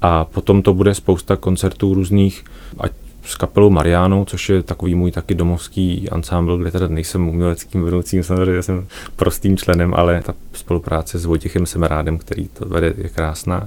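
With noticeable background noise behind him, a man with a very deep, low pitch talks at a fairly quick pace using fairly even intonation. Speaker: bass singer and ensemble artistic director. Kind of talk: radio interview. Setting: radio studio.

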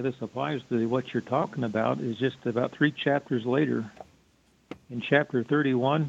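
Vocal fry runs through this man's medium-pitched voice. He keeps a moderate pace with ordinary pitch variation. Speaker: caller. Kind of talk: Bible reading and discussion. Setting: phone call.

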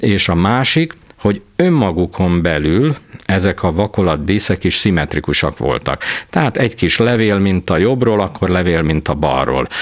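Very deep and low, a man's voice carries lively intonation at a moderate pace. His loudness stays very even. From Hungary, Balaton Uplands (Révfülöp). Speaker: architect. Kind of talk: interview. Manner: halting, many fillers and repetitions.

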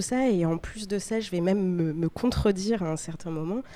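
Over noticeable background noise, a woman talks at a medium pitch and a moderate pace. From France. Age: 20s. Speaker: journalist. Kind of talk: interview.

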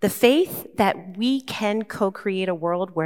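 On a very clean recording with a silent background, a woman with a normal speaking voice talks at a fairly slow pace with lively intonation. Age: 40s. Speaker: preacher. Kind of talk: sermon.

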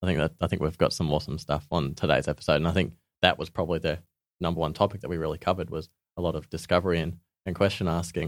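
A man with an Australian accent talks at a very fast pace in a very deep, low pitch. The recording is very clean, with a silent background. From rural Victoria, Australia. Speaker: podcast host. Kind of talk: casual interview chat.

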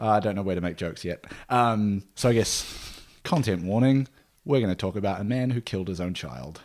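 Over a silent background in a very clean recording, a man with an Australian accent talks at a fairly quick pace, his fairly low voice full of lively intonation. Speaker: podcast co-host. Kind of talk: casual chat.

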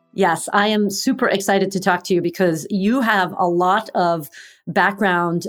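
On a very clean recording with a silent background, a woman with a normal speaking voice and an American accent speaks at a medium pitch and a fairly slow pace. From New York. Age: 50s. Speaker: podcast host. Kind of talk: casual chat.

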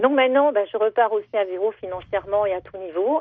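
This woman has a medium pitch. She talks at a moderate pace with ordinary pitch variation. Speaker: caller. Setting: phone call.

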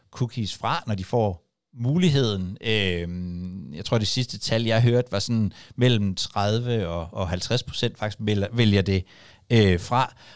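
Ordinary pitch variation at a very slow pace, in a very clean recording with a silent background. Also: man. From West Jutland, Denmark. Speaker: podcast host. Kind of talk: interview conversation. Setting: studio. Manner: halting.

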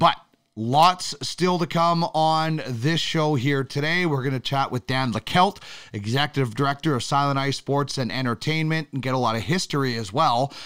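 A man with a Canadian accent talks in an unremarkable speaking voice at a fairly high pitch. His pace is moderate and his pitch varies in an ordinary way, in a very clean recording with a silent background. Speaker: podcast host and freelance announcer. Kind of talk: casual podcast chat, with sports commentary.

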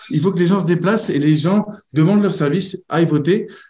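A man with a high pitch and a dark, mellow tone talks at a moderate pace with lively intonation. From France. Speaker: francophone community activist. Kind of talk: interview conversation. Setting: video call.

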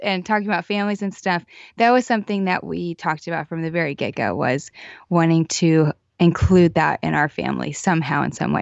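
At a fairly quick pace, a woman speaks in a plain, everyday voice with a fairly low pitch and ordinary pitch variation. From US Midwest, small-town Indiana. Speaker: podcast host and dance teacher. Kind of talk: casual interview chat.

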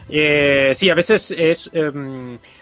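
A man with an Italian accent. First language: Italian (speaking Spanish). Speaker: podcast host and former police K9 instructor. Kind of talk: interview. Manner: halting.

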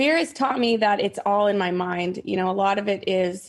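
A woman at medium pitch with a western Canadian accent. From western Canada, Prince George, British Columbia. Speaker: professional triathlete. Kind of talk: interview.

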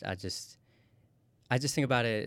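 Total silence behind a man's voice, captured on a very clean recording. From Indiana, US, born in Honduras. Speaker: medical interpreter. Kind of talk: interview. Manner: halting.

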